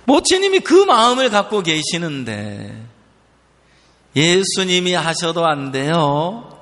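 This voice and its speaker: A male pastor with a slightly high voice preaches slowly and animatedly in a church sanctuary, telling anecdotes and acting out an elderly mother's stubborn replies. The hall adds a long reverb.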